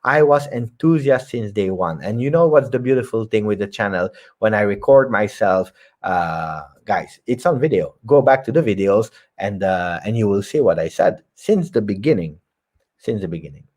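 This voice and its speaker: Man, fairly low voice, live reaction host, emphatic, excitable, chatty. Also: moderate pace. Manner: emphatic, excitable, reads viewer comments aloud. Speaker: football channel host. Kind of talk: live post-match reaction stream.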